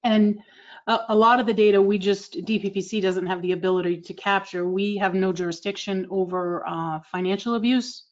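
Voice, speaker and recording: Even-toned Massachusetts woman, dull audio. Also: medium pitch, brisk. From Massachusetts, United States. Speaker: state agency representative. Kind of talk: informal progress report in a meeting. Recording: slightly dull online meeting audio.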